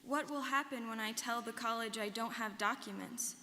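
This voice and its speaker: A woman's voice: fairly high pitch, moderate pace, bright, forceful tone. A young woman performing an earnest, rehearsed first-person reading as a student on stage. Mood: earnest recollection. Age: young adult. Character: earnest young woman telling her life story. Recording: reverberant hall with faint noise.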